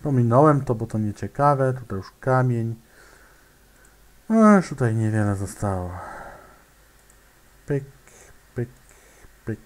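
A man's voice: mid-range voice, lively intonation, takes it slowly, pauses often. A man giving casual gameplay commentary, muttering to himself, hesitating and making clicking sounds as he plays. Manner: hesitant, many fillers and restarts.

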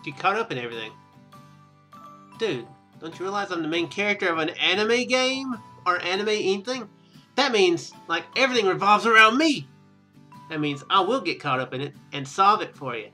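Male game streamer, casual and rambling, bright expressive voice, light game music underneath. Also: high-pitched, a little fast. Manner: rambling, joking. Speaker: let's play host.

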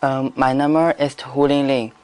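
A young man from China, answering exam questions in a careful, halting way. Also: mid-range voice, level tone, darkish tone, smooth. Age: young adult. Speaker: exam candidate. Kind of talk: spoken language exam answers. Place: indoor room. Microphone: lapel mic.

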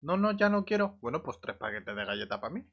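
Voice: mid-range voice, big pitch swings, fast, lo-fi sound. A game streamer with an accent from Spain, chatting casually on a live stream. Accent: Spanish, from Spain. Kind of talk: casual gaming stream chat.

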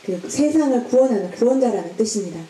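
Female church interpreter, mellow tone, echoey hall. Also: on the high side, lively intonation, fast. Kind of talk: consecutive interpreting of a homily.

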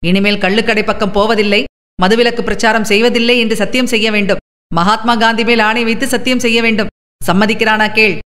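A woman's voice: a little high, steady tone, a little fast, fairly bright tone, close to an everyday voice. A woman voicing a menacing older male landlord who sneers, mocks and gives orders. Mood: commanding. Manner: sneering, mocking, commanding. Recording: long reverb.

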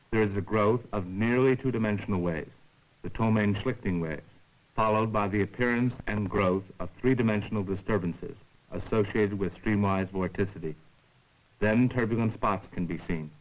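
A man giving formal, measured scripted narration for an educational science film, explaining carefully like a lecturer. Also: lowish voice, low-quality recording.

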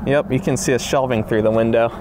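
A man's voice: mid-range voice, quick pace. Young male explorer host, casual offhand delivery, handheld camera mic outdoors, faint street noise. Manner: relaxed, offhand commentary with hedging asides. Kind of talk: casual walkthrough narration. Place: outdoors at an empty store parking lot.

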